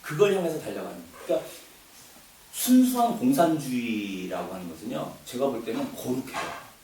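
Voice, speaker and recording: A man's voice: medium pitch, big pitch swings, a little fast, a little mellow. A man giving a casual lecture to an audience, talking conversationally with frequent fillers and repeated words. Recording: very echoey room, distant mic, faint noise.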